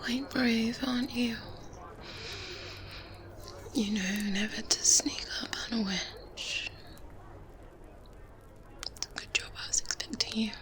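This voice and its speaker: A woman playing a brisk, secretive, faintly condescending good witch in a soft, breathy, whispered ASMR roleplay. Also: a little high, fairly even intonation. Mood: brisk, commanding. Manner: slow, deliberate, hushed, commanding.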